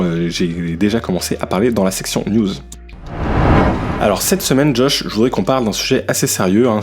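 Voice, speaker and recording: A man from France hosts a casual tech news podcast. His voice sits a little low, and he rambles in an easygoing way, dropping in little tags as he goes. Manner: relaxed, loose, peppered with "hein". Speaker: podcast host.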